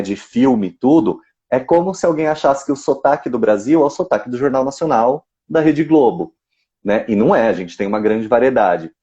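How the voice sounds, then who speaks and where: A Brazilian man with a Brazilian accent hosting a live-stream interview, an English teacher asking deliberately provocative questions in a playful way. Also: medium pitch, dark tone, lo-fi sound.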